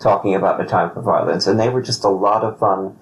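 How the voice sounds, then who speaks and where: A man hosting a podcast interview in a conversational style, with measured, deliberate phrasing. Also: deep voice, fairly even intonation, noisy background. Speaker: podcast host.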